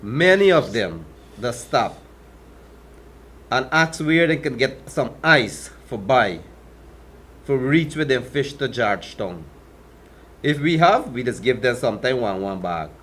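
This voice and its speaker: A man's voice: mid-range voice, very animated, unhurried, pauses often, fairly bright tone, husky. A man speaking English with a Guyanese Creole tinge talks as a fisherman on a talk show, plain-spoken and earnest.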